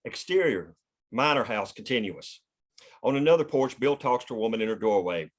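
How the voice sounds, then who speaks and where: A man's voice: mid-range voice, expressive, moderate pace. A man reading scripted screenplay stage directions as the narrator of a table read.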